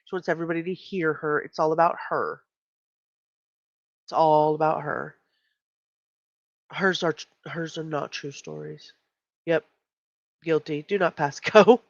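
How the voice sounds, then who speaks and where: A woman's voice: sits low, fairly even intonation, measured pace, gravelly, long pauses, no room sound. A woman hosting a casual livestream, chatty and emphatic, with a stuffy nose. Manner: chatty, reacts to chat, emphatic. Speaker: livestream host. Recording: dull lo-fi stream audio.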